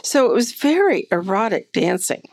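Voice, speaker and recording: A woman recounting a romantic memory in an interview, candid and full of laughter. Her voice has a gravelly edge at a middle pitch. The sound is close and dry. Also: moderate pace, dry recording. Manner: lively, laughing, candid storyteller. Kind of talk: storytelling in a podcast interview.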